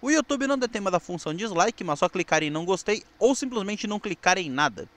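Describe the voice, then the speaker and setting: A Brazilian man presenting his video channel in an old newsreel announcer style, enunciating deliberately. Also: high-pitched, animated, fairly bright tone. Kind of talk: nostalgic radio-newsreel style video narration with scripted sign-off.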